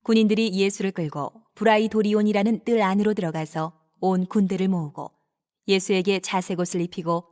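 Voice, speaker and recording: A woman narrating scripture from a script in a measured, clearly enunciated reading style. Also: medium pitch, steady tone, darkish tone.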